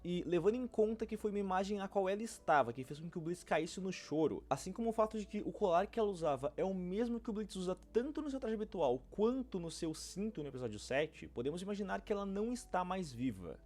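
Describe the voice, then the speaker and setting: Male, Brazilian accent, very high-pitched voice, scripted narration, online video narrator. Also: darkish tone. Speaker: YouTube fan-theory narrator.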